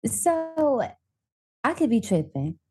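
A woman's voice: sits high, slow. A woman with an African American accent in casual conversation as a co-host, telling things in slangy language and acting out her reactions. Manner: slangy, animated storytelling with acted-out reactions. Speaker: podcast co-host reviewing short films. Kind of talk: casual chat.

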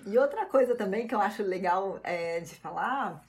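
A Brazilian woman speaking as a podcast guest, agreeing readily and speeding up when she gets into a point. She sounds engaged and easygoing, at a middle pitch for a woman. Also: animated, moderate pace, a little mellow. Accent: Brazilian Portuguese. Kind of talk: casual podcast conversation.

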